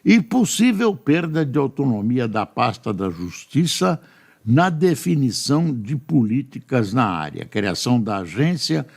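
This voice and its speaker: An older Brazilian news anchor reads newspaper stories aloud, tossing in chatty, unhurried remarks between them. His mid-range voice is gravelly and sing-song.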